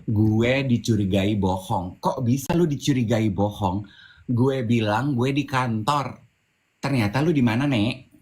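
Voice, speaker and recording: A man co-hosting a casual chat, telling a story with animated delivery, mixing English phrases into his talk and acting out the voices of the people in it. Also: mid-range voice, a little slow. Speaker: co-host.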